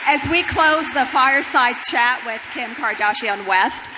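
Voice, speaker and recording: A woman's voice: fairly high pitch, unhurried. A woman from Turkey moderating an onstage conference chat, eager and prodding, stumbling over restarts. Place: large conference hall stage. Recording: reverberant hall with audience noise.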